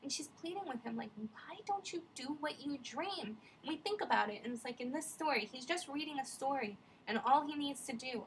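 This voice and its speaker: A woman's voice: a little high, a little hiss or hum, rough recording. A woman vlogger musing in casual, rambling reflective commentary, digressing often with many fillers.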